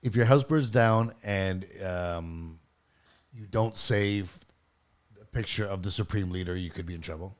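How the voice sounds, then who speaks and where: Low-voiced man in casual conversation. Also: measured pace. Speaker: podcast co-host. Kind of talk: casual podcast discussion.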